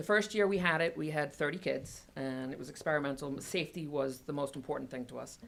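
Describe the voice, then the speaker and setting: A woman speaks with a Brooklyn accent at a moderate pace. Her pitch is very deep and low. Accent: New York (Brooklyn). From New York City, Queens. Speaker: swim program coordinator and CPR instructor. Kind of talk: public meeting presentation. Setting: village board meeting room. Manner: hesitant, many fillers.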